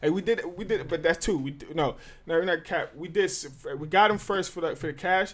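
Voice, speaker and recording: Speaking with a New York accent, a man with a high voice and ordinary pitch variation moves at a fairly quick pace in a very clean recording with a silent background. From New York City (Castle Hill, Bronx). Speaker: rapper, one half of a hip hop duo. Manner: profane, casual.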